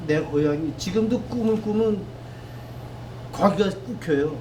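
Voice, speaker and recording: At a moderate pace, a man talks with ordinary pitch variation amid audible room echo and noticeable background noise. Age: 70s. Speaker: audience member, displaced villager. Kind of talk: interview.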